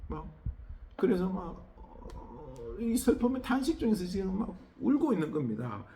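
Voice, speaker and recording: A male pastor gives an early-morning prayer sermon with a gravelly edge to his voice. His pitch swings widely and climbs on emotional words. He often pauses on fillers and checks in with the listeners through tag questions. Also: wildly swooping pitch, warm tone. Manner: conversational preaching with rhetorical tag questions; frequent hesitation fillers.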